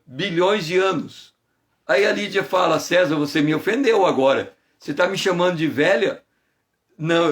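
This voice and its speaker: A man giving a conversational morning devotional sermon as a pastor, playful and teasing, greeting viewers by name and slowing down to stress key phrases. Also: high voice. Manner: slows down and stretches phrases for emphasis.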